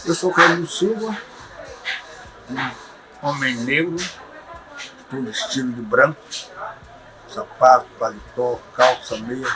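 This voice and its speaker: A man's voice: mid-range voice, takes it slowly, long pauses, over music, low-quality recording. An older man in his seventies with a Bahian Brazilian accent, recounting his life in documentary testimony. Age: older, about 70s. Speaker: interviewee telling life story.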